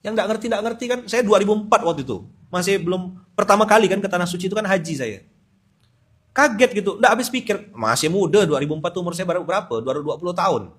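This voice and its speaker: A man in his forties, a preacher from West Kalimantan with a Sambas Malay-tinged accent, giving a casual live sermon that swings from loud indignant bursts to low asides. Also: fast, slightly rough. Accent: Sambas Malay-tinged Indonesian. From West Kalimantan, Indonesia. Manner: animated, bursts into loud indignant outbursts then drops low.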